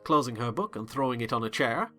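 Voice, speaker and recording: A man giving an expressive, measured dramatized reading of a classic novel. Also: mid-range voice, faint music behind. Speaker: narrator.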